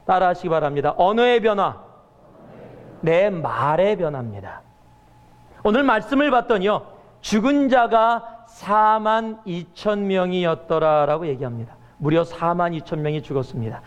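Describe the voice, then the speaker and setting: Man, pastor, high voice, storytelling sermon, long church reverb. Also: animated, normal speed. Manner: storytelling sermon with acted-out quotes. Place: church sanctuary.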